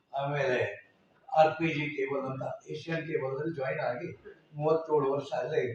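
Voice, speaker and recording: A man's fairly high voice in a flat monotone, with strong room echo and light background noise. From North Karnataka, India. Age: 80s+. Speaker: retired company officer; interviewee, descendant of a saint-poet family. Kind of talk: interview. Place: home room. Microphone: camera far.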